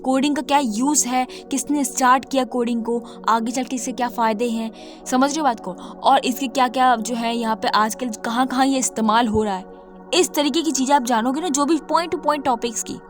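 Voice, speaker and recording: A slightly hoarse woman tutoring beginners on coding in a casual, emphatic talk-to-camera lesson, repeating her points and mixing in English terms. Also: high-pitched, normal speed, over music.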